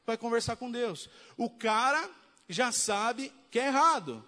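High-voiced Brazilian man preaching in a hall. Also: a little slow. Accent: Brazilian Portuguese. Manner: lively storytelling, acts out quoted voices. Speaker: pastor. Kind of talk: sermon.

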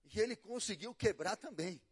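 High-voiced Brazilian pastor preaching. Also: male voice, lively intonation, moderate pace, breathy edge. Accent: Brazilian Portuguese. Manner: storytelling, swings between hushed and loud. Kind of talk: sermon with acted quotes.

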